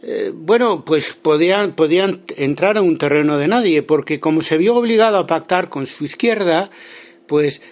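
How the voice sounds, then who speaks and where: A man with an accent from Spain giving spontaneous political commentary in an interview, haltingly, often repeating words and restarting. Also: fairly high pitch, highs cut off. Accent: Spanish from Spain. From Galicia, Spain.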